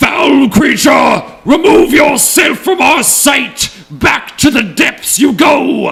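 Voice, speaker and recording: Shouting in a raspy, put-on character voice, a man speaks very slowly at an extremely high pitch. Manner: mighty, commanding.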